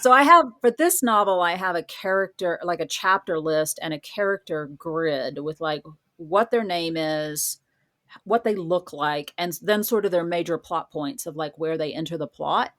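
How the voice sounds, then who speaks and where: A woman's voice: on the low side, lively intonation, normal speed, a bit bright. A woman talking casually as an interview guest, explaining things informally with examples. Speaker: guest author.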